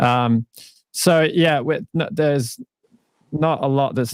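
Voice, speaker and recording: Heard in a dry, close sound with no echo, a man with a New Zealand accent speaks with ordinary pitch variation. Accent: full New Zealand. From New Zealand and Canada. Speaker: Hare Krishna practitioner, religion channel host. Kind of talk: casual interview. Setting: live stream video call. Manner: hesitant, many fillers.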